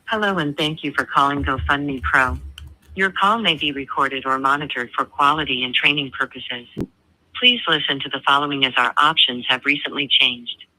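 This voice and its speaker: A man's voice: mid-range voice, moderate pace, a little hiss or hum. A man's recorded phone message, an automated customer-care menu with polite, scripted prompts, heard over a phone on speaker. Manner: polite, even, announcing. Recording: tinny phone line on speaker.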